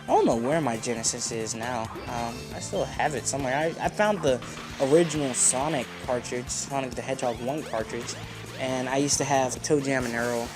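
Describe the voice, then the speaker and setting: A young man hosts a let's play in a loose, informal way. He rambles casually, as if chatting to friends, while game music plays clearly underneath. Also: medium pitch, normal speed. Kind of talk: casual gameplay commentary.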